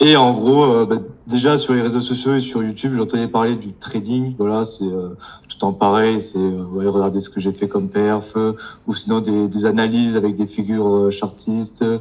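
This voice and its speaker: With fairly even intonation, a man of medium pitch talks at a moderate speed. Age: 20s. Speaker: trading student. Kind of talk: casual chat. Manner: halting.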